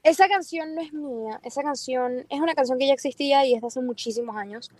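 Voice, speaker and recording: Lively woman singer, a bit higher voice. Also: fast talker, no room sound. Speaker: singer guest. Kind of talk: casual interview chat.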